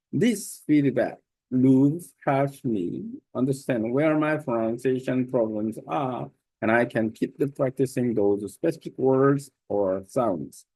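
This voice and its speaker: A man with a Korean accent, a native Korean speaker, reading his own prepared text aloud in a careful, deliberate way with small slips. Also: mid-range voice, creaky, a little mellow, no echo, low-quality recording. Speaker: language learner sharing his study method.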